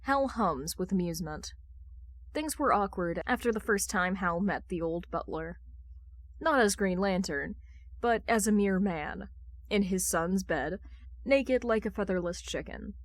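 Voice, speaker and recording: A woman's voice: mid-range voice, expressive, a little slow, no room sound. A woman reading fan fiction aloud as scripted audiobook-style narration. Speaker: podfic reader.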